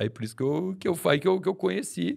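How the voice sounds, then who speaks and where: With vocal fry and very wide pitch swings, a man talks at a fairly quick pace over a quiet background. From southern Brazil, Caxias do Sul. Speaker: podcast host, doctor. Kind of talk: casual chat. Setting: studio. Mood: relaxed, animated storytelling. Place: studio. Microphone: studio mic.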